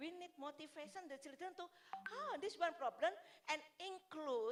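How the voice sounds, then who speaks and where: Music plays behind a woman who speaks at a high pitch with an Indonesian accent. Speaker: early childhood teacher. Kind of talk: webinar question. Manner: halting.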